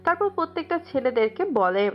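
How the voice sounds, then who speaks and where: A woman's voice: high-pitched, brisk, soft background music. Woman narrating a story, lo-fi. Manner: steady storytelling, occasional slips.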